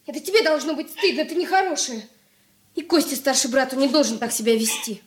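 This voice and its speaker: An actress playing a sharp-tongued young teenage girl who scolds her cousin in a radio drama. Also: sits high, lively intonation, brisk, a little hiss or hum. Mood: snippy. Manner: snippy, reproachful. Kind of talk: 1980s radio drama acting. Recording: roomy room.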